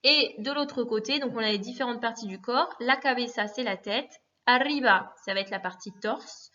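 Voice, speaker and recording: A woman teaching a lesson in a patient, methodical way, repeating forms and pausing with fillers. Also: a little high, sharp tone. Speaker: Spanish teacher. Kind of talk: recorded classroom lesson. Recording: dull lo-fi recording.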